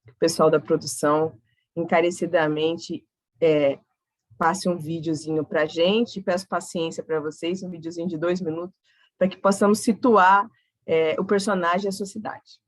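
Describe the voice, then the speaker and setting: Halting Brazilian woman lecturing. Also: fairly low pitch, steady tone, dry recording. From Cuiabá, Brazil. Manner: hesitant, restarts phrases. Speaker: guest lecturer. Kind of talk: academic talk to an audience.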